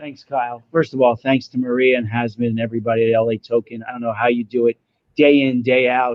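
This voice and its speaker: A man in a New York accent, very fast and in a monotone, flat intonation. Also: medium pitch for a man. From New York, USA. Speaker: investor, family office executive. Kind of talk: panel discussion.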